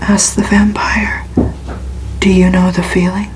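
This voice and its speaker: A woman reads a gothic novel aloud for ASMR in a soft, hushed whisper, narrating evenly. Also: medium pitch, a little hiss or hum, poor audio. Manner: slow, hushed, even narration. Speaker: ASMR reader.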